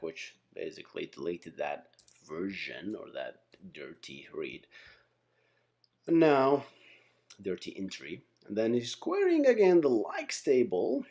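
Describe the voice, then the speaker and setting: A man's voice: mid-range voice, mellow. A man giving an informal tutorial, thinking aloud step by step and often checking in with short tags. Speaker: software engineering instructor.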